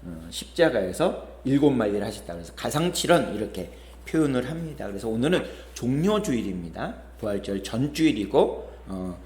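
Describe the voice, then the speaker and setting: 목사 남성, 울리는 예배당 설교. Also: male voice, medium pitch, big pitch swings, moderate pace, a little mellow, reverberant. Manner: storytelling with quoted voices, rising and falling emphasis. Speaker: pastor. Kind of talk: sermon. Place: church sanctuary.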